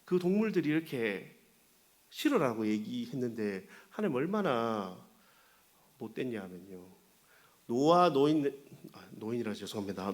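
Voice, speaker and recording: A pastor preaching to Sunday school teachers in a lively, storytelling way. His voice sits a touch high for a man and swings widely in pitch as he jokes and asks the room questions. He stays conversational and animated throughout. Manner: animated storytelling with playful asides to the audience.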